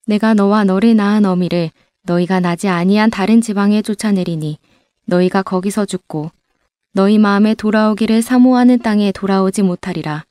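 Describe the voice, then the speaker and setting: Mellow smooth-voiced woman reading scripture. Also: medium pitch, no echo, studio quality. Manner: measured, even recitation. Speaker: scripture reader. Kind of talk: steady scripted Bible reading.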